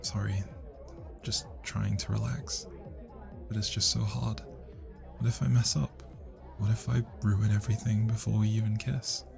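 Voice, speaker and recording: Shy, low-voiced young British man, acted by a man. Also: gravelly. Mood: nervous. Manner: hesitant, bashful, soft-spoken. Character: shy, flustered, sweet young man at a party. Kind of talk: intimate ASMR roleplay acting.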